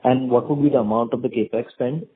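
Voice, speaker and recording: A man's voice: mid-range voice, steady tone, fast, a little hiss or hum. A man asking questions informally as an analyst on an earnings call. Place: conference call by phone. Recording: narrow muffled phone line.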